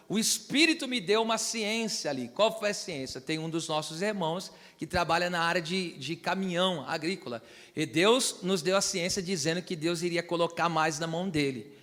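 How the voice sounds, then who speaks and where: Pastor guy, pretty high voice, long echo in the church. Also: fairly bright tone. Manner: teaching, asks the church to repeat phrases and check understanding. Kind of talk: sermon. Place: church hall.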